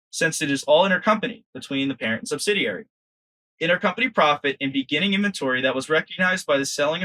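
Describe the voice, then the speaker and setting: Higher-pitched man teaching an informal lesson. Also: pushed and bright, poor audio. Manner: conversational, often checks in with "right?". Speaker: exam prep instructor. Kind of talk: informal lecture with slides.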